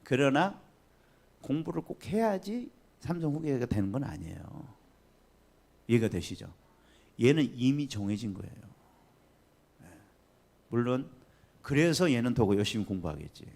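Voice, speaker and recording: A male pastor delivering a Sunday sermon in a church sanctuary. His pitch swings widely as he preaches. He keeps turning to the congregation with questions. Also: normal speed, vocal fry, long pauses. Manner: animated, often acting out quoted voices and asking the congregation questions.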